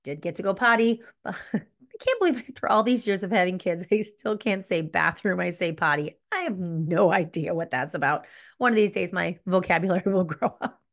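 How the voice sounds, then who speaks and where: A woman's voice: fairly low pitch, lively intonation, moderate pace. A middle-aged woman hosting a solo podcast, telling a personal story candidly and reflectively, often stopping to correct herself. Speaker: podcast host.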